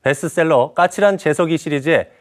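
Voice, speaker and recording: A man's voice: fairly high pitch, brisk. A man hosting the program, reading a polished scripted introduction of the guest. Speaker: program host.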